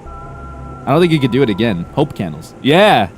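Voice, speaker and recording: A man's voice: medium pitch, sing-song, normal speed, a little mellow, faint music behind. A man giving casual commentary while streaming a game, laughing, swearing and reading on-screen text aloud.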